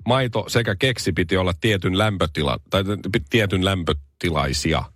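A man's voice: low voice, fairly bright tone, slightly rough, dry recording, clean studio sound. A man co-hosting a morning radio show, joking around and reading out news items in casual chat.

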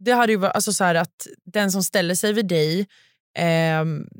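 A woman's voice: on the low side, no room sound, studio quality. A young woman from Gothenburg with a Gothenburg Swedish accent, chatting casually as a podcast co-host with lots of fillers. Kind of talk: casual chat.

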